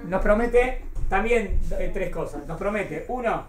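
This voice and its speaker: A woman teaches a small class at a middle pitch. She explains step by step and keeps asking whether everyone is following. The recording picks up the room's echo. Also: expressive, a little slow. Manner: explains patiently, keeps checking if students follow. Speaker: Torah teacher.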